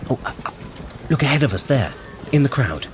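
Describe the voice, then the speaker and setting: A man's voice: mid-range voice, sing-song, fairly quick, heavy background noise, lightly acted. An actor playing a sly, scheming male trickster god in an audio drama, wry and commanding. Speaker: Loki.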